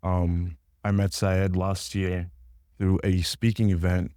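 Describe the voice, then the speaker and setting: A man's voice: low-pitched, slow, clean tone, no echo, studio quality. A young man from Congo, a student organizer, talking casually and a little hesitantly in an interview. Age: young adult. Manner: relaxed, hesitant with many ums.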